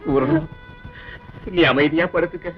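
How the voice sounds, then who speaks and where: An actor playing an anxious, loving husband in a 1960s film melodrama, soothing and pleading. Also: male voice, a little high, fairly even intonation, measured pace, close to an everyday voice. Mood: comforting. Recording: dull old film soundtrack with music.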